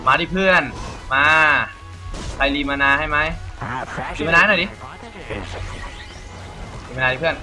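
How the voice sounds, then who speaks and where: A man giving casual let's-play commentary as he plays, excitable, exclaiming often and swearing casually. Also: on the high side, measured pace, pauses often. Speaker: gamer. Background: game music.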